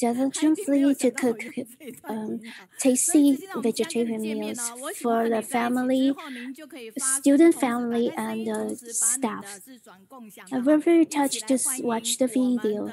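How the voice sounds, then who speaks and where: Amid noticeable background noise, a woman with a high pitch speaks at a very slow pace, with ordinary pitch variation and long, frequent pauses. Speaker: study group presenter. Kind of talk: online study group presentation. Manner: halting, with many fillers.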